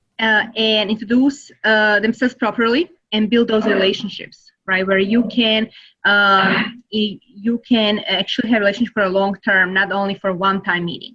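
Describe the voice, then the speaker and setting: The woman's tone sounds bright and sharp. Her pitch sits fairly high. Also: fairly even intonation, moderate pace. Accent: Serbian. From Serbia. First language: Serbian. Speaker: networking consultant. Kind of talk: podcast interview. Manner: hesitant, many fillers.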